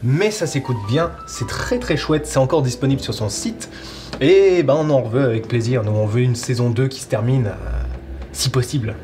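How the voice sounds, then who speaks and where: Male presenter, medium pitch, informal and keen review talk over a music bed. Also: normal speed, a little mellow. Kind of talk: casual review of an audio series.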